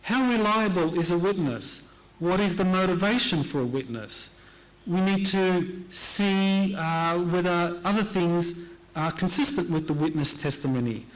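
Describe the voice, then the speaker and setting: Man lecturing, higher-pitched, earnest. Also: a little slow, rough recording. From Hawaii. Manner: earnest, repeats key phrases for emphasis. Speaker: conference speaker. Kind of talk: lecture presentation.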